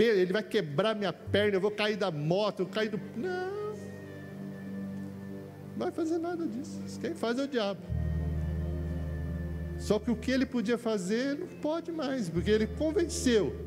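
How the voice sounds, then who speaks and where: A man with a Brazilian Portuguese accent preaching a sermon, telling stories and swinging between quiet low asides and high excited bursts. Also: normal speed. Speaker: pastor. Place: church. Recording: music behind the voice. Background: worship music playing.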